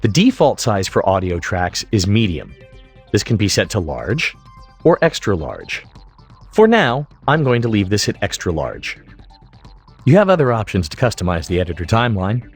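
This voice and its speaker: A middle-aged man giving scripted tutorial narration in a deliberate, emphatic way. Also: lowish voice, very animated, husky, soft background music. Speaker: software tutorial instructor.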